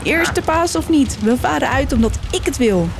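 A woman's voice: high voice, lively intonation, moderate pace, vocal fry, very noisy, voice pushed up. A woman voicing a fierce, hot-tempered male sea captain who growls and bellows his commands. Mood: wild.

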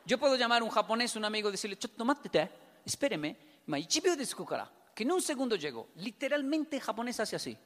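Colombian man, lively storyteller acting out dialogues, high voice, long hall reverb. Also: fast. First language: Spanish. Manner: animated storytelling, acts out both sides of dialogues. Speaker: speaker. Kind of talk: humorous talk to an audience.

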